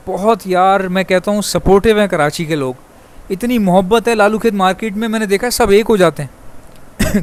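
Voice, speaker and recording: A man from Pakistan who vlogs about breeding birds, talking quickly and chattily to his viewers and calling them brother. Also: high voice. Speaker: bird breeder vlogger. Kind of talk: fast casual monologue to viewers.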